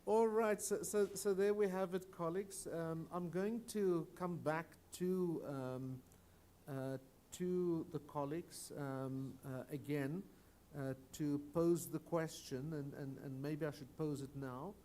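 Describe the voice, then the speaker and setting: A man chairing a conference panel in a somewhat high, mellow voice. He poses questions to the panel and stumbles into sentences with repeated words. Faint noise sits behind him. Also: slow pace.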